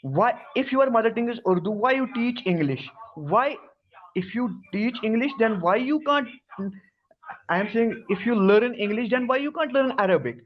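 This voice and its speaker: A man's voice: very high-pitched, expressive, normal speed. A man calling in to a debate show, insistently pressing the host with questions. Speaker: caller. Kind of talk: call-in debate. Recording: dull lo-fi call line.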